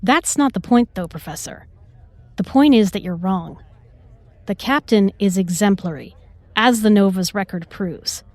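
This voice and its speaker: A woman's voice: mid-range voice, measured pace, no echo, lightly acted. A woman acting a self-assured, protective starship doctor in a sci-fi audio drama, composed and pointed in her delivery. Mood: cool, cutting.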